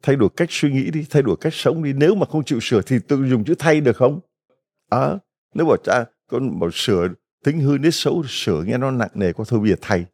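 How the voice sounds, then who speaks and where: A man's voice: medium pitch, expressive, fairly quick, a little mellow. A middle-aged man, a Catholic priest, giving a folksy retreat homily full of stories and rhetorical questions to the congregation.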